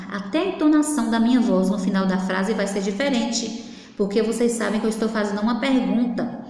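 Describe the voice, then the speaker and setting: A woman's voice: medium pitch, darkish tone. A woman teaching a class for young children, in a patient sing-song manner that keeps prompting them to look. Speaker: primary school teacher. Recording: echoey, reverberant room.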